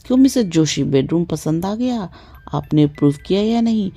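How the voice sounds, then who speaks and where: Woman doing a loud, jovial tall doctor. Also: on the low side, expressive, normal speed, faint music behind.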